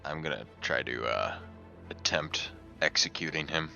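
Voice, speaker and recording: A man's voice: rumbling low, a little slow, vocal fry, pushed and bright, soft background music. A man playing a tabletop roleplaying game, talking casually on a dull, lo-fi voice channel.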